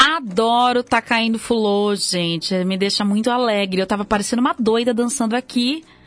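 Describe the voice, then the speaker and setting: Music plays in the background as a woman with a fairly high pitch speaks at a moderate pace. She has ordinary pitch variation and hardly any pauses. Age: 30s. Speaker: radio host and storyteller. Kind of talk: storytelling on children's radio. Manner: animated.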